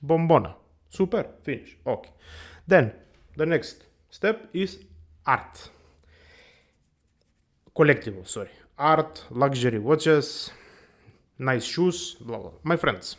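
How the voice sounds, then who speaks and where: A man hosts a comedy finance show in a playful, overdone way. His voice sits a bit high for a man, and he keeps circling back to "my friends.". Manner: playful exaggerated Balkan-English delivery, repeats "my friends". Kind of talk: comedic character monologue.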